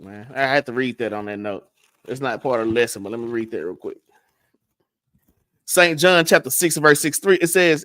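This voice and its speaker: A man's voice: medium pitch, a bit bright, no room sound, studio quality. A man with a Southern US accent teaching a casual Bible class, stuttering and restarting often and tagging "man" and "all right?" onto his lines. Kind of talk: casual scripture lesson.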